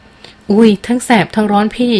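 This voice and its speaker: A woman's voice: a little high, flat delivery, normal speed, a little mellow, close to an everyday voice. A woman voicing a polite, eager young male army officer.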